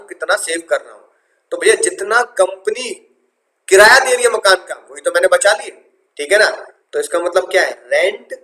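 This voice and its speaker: High-voiced male tax teacher, playful. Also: a bit bright. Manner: playful, repeats key terms and asks the class questions. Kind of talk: classroom-style lecture. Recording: echoey room.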